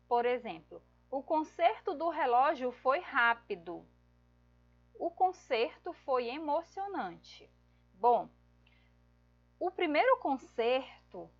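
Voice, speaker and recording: A woman's voice: high-pitched, a bit bright, highs cut off. A woman teacher giving a grammar lesson, explaining patiently step by step and checking in with her listeners.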